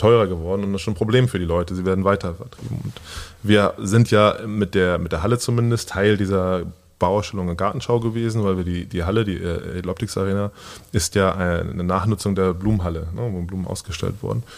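Very deep, low pitch from a man, at a fairly quick pace. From Hamburg-Wilhelmsburg, northern Germany. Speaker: former pro basketball player, club founder and manager. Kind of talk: interview. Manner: hesitant, many fillers.

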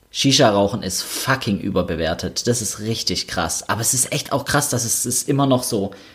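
A man's normal speaking voice at medium pitch, with ordinary pitch variation, a moderate pace and hardly any pauses. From Stuttgart, Swabia. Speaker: podcast co-host, freelance radio journalist. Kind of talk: casual chat.

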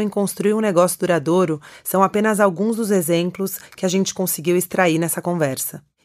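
On a very clean recording with a silent background, a woman with an ordinary speaking voice talks at a medium pitch and moderate pace, using ordinary pitch variation. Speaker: podcast host, business organization director. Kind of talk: scripted narration.

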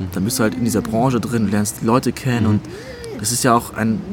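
A man delivers his words at a moderate pace while noticeable background noise runs underneath. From Kazakhstan, Russian family. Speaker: van life podcast guest, entrepreneur. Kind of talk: casual interview chat.

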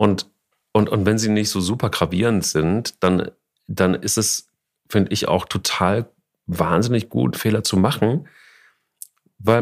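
A man speaks with vocal fry and lively intonation. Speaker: dog podcast co-host. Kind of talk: casual chat.

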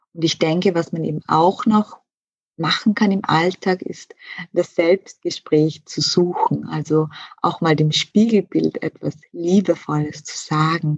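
With a slight Austrian accent, a woman speaks very slowly at a fairly low pitch with fairly even intonation in a dry, close sound with no echo. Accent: Austrian German, light. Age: 30s. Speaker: mental coach and author. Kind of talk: podcast interview.

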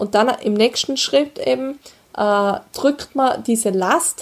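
It is an unremarkable speaking voice with lively intonation. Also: woman. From Austria, North Tyrol. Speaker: personal trainer and grief counselor. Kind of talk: interview. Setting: video call.

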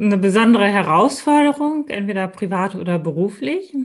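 Speaking at a moderate pace, a woman with an ordinary speaking voice uses lively intonation and a medium pitch. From Germany. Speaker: podcast host, business coach. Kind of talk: interview.

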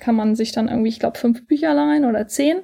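Fairly high-pitched female voice with a dark, mellow tone and ordinary pitch variation. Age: 30s. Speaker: private investor. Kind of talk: casual chat. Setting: live podcast recording.

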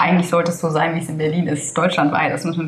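A woman's fairly low voice, with audible room echo and noticeable background noise. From eastern Germany, Upper Lusatia (Saxony). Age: 30s. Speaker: midwife. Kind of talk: casual interview. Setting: kitchen at home.

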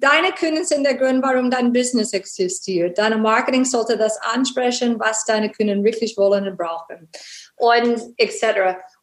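Lively intonation marks this woman's fairly high voice. She has an English accent and keeps a moderate pace. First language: English (speaking German). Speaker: business mentor. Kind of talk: casual interview. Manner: halting.

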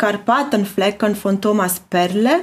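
Over noticeable background noise, a woman at a medium pitch speaks fairly slowly with ordinary pitch variation. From Transylvania, Romania (German-speaking minority). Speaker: playwright, journalist and translator. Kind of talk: casual discussion. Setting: remote call.

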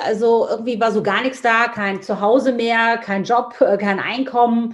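With a normal speaking voice, a woman with a fairly high pitch talks at a fairly slow pace and ordinary pitch variation. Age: 50s. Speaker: podcast host and NLP trainer. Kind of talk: personal update monologue. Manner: warm, informal.

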